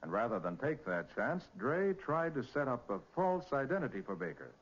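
A confident American male detective from a 1940s crime drama. He explains things with assurance in a lively, slightly rough-edged voice. The recording is old, muffled radio. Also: medium pitch, moderate pace. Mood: assured, explanatory.

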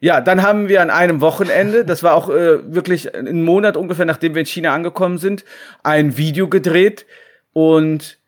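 A man's voice: fairly high pitch, brisk. A man in his thirties, a guest talking casually at home over a video call, hesitant with many restarts. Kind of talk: casual remote interview.

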